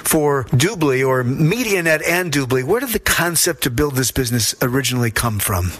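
A man hosting a business interview show, reading a guest introduction and asking questions in a measured, formal way. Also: medium pitch, lively intonation, fairly bright tone. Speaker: radio show host.

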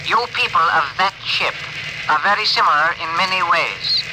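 Guy doing a polite stiff-talking alien, kinda high voice, old radio hiss. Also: normal speed, lightly acted. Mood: solemn. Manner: stiff, oddly phrased formal speech. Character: formal, gentle male alien ship communicator. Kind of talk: 1950s radio drama acting. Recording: hissy old radio broadcast.

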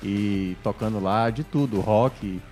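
A man's voice: fairly low pitch, takes it slowly, darkish tone, faint music behind. A man from gives casual, conversational sports commentary on a podcast. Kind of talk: casual sports chat and analysis.

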